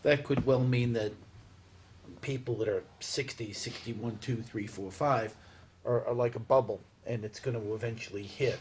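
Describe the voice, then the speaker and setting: Somewhat breathy, a man's medium-pitched voice holds a fairly even intonation. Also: moderate pace. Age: 60s. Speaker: finance committee member. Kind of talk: questioning at public meeting.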